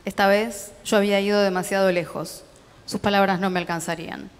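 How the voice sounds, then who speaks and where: A woman with a Rioplatense accent reading a story aloud at a literary festival, in a steady, measured way. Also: mid-range voice, big-room sound, slight background noise. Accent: Rioplatense Spanish. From Argentina.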